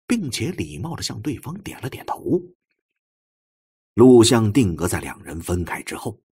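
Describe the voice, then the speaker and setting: A man narrating a novel as an audiobook, with measured, expressive, dramatic storytelling. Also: fairly low pitch, husky.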